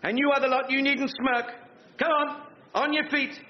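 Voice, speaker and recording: An actor playing a pompous, bossy would-be Prime Minister with an English accent, blustering colloquially in a radio sitcom. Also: male voice, very high voice, little pitch movement, normal speed, slight background noise. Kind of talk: radio sitcom acting before an audience. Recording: muffled, with studio audience laughter.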